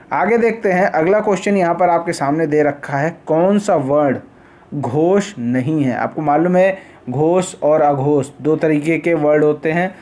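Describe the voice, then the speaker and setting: Hindi quiz teacher, man, higher voice. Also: a little mellow. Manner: asks viewers to comment answers, repeats each question. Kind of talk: exam quiz lesson.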